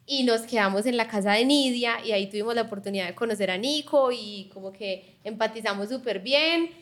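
Colombian woman cohost, bit high voice, chatty and easygoing. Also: brisk, a bit bright. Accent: Colombian Spanish. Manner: chatty, storytelling introduction. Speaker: podcast co-host. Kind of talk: casual conversational interview.

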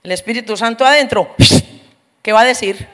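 A middle-aged woman preaching a humorous testimony, telling her story lively and acting out the voices of others. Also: fairly high pitch, a little fast. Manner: lively storyteller, acts out voices, laughs often.

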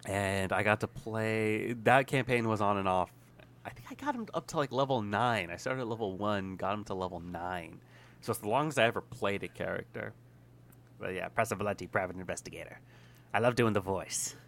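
A young man, a guest on a casual podcast, telling animated stories and laughing often. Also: lowish voice, a little fast, slight background noise. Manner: animated storytelling with frequent laughs. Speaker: guest YouTuber.

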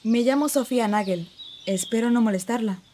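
Brief: actress doing a wry, teasing female newspaper reporter, higher voice, noisy amateur audio drama take. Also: fairly quick, mellow, lightly acted. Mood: probing. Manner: ironic, teasing. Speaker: journalist. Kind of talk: radio drama acting.

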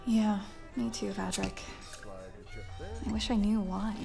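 Weary, dutiful ship captain. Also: female voice, mid-range voice, flat delivery, slow pace, gravelly, over music. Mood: friendly, subdued. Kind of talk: science fiction audio drama acting.

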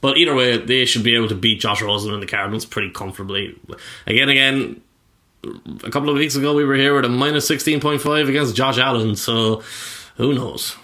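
Bright-voiced man breaking down football. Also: medium pitch, brisk. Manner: teasing, laughing along, analytical. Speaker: podcast co-host. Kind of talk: casual sports chat.

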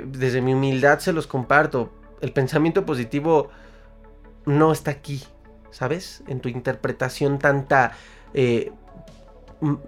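A man with a Mexican accent giving a casual motivational talk in a slangy, colloquial way. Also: medium pitch. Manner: colloquial, slangy, acts out quotes. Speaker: motivational speaker.

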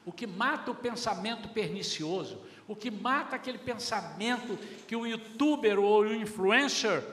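A man's voice: high voice, lively intonation, moderate pace, a bit bright. A middle-aged man preaching a sermon as pastor, addressing the congregation and acting out little family dialogues. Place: church hall. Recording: echoey hall with faint room noise.

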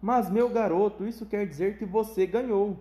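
A man's voice: on the high side, lively intonation, normal speed, mellow, reverberant, natural voice. A man doing a giddy eccentric factory owner. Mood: excited. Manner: exclamatory, giddy. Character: excitable eccentric male candy factory owner.

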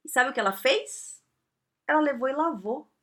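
A woman's voice: high voice, normal speed. Chatty woman giving advice. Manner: chatty, animated, acts out little dialogues. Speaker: advice giver. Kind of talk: casual advice talk.

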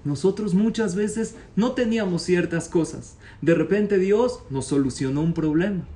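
A man telling a parable as a religious teacher, animated, acting out the characters and quizzing his audience. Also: high-pitched, normal speed, far from the mic. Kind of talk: storytelling sermon.

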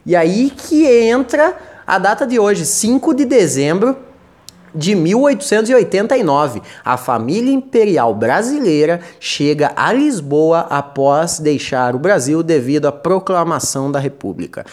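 A man's voice: a little high, sing-song, measured pace, a little mellow. A Brazilian man hosts a loose, comedic podcast monologue, wandering from point to point. He trips over his words and repeats them as he goes, and keeps a joking tone throughout. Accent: Brazilian Portuguese. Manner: rambling, stumbles and repeats words, jokey. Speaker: podcast host.

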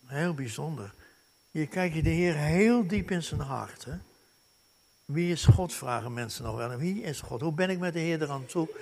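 Gravelly pastor preaching. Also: male voice, a little high, lively intonation, normal speed. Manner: earnest preaching with frequent "hè" tags and wide swings from loud to hushed. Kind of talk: sermon.

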